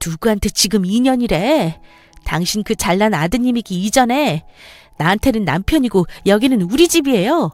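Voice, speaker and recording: A woman's voice: mid-range voice, very animated, moderate pace, darkish tone, dry recording, soft background music, close to an everyday voice. A woman voicing a fed-up young wife who argues back in a heated, raised voice. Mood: angry. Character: fed-up young wife, sharp-tongued and defiant.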